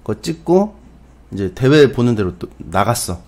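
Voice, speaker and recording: A man streamer casually telling a funny story to his chat, acting out his own lines with sudden loud outbursts. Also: medium pitch, very animated, normal speed.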